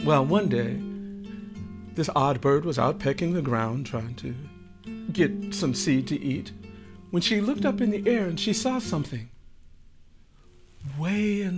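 A man with an American accent, a fairly slow pace, and very wide pitch swings, over faint music in the background. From United States. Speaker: storyteller. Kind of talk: children's folk story telling. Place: home room.

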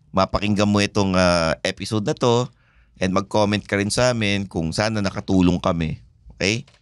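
A man speaks at a moderate pace in a fairly low pitch, with ordinary pitch variation and an unremarkable speaking voice. The sound is dry with no echo, and the background is quiet. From Philippines. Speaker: podcast host. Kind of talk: casual chat. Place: studio. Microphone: studio mic.

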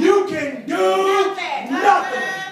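The speaker has an animated tone. Light background noise and audible room echo fill the recording. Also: man. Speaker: pastor. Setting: church. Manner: animated, repetitive exclamations like 'Woo' and 'come on, somebody'; rhythmic preaching cadence, prompting the crowd to finish lines. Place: church. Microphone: camera far.

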